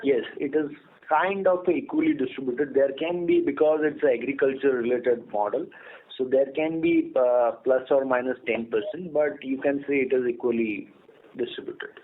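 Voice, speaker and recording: Male company executive, Indian accent, mid-pitched, methodical and explanatory, heard through a narrow telephone connection. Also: moderate pace. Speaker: company executive answering analyst questions. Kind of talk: earnings call question-and-answer. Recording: tinny narrowband phone line.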